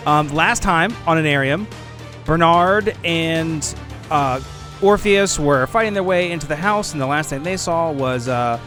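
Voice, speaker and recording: Guy with highish voice doing a casual podcast intro, faint music behind. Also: measured pace, a bit bright. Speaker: podcast host giving intro and recap. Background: music under the voice.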